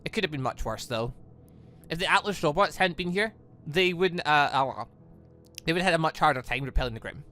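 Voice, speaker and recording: Bright-voiced gaming host, rambling casually. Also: mid-range voice, expressive, fairly quick, soft background music. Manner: rambling, conversational, thinking aloud. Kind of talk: casual gameplay commentary.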